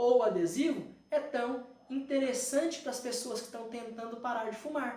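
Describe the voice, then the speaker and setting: Moderate pace amid noticeable background noise. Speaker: doctor specializing in elderly care. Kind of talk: educational talk. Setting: recorded video. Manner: explanatory.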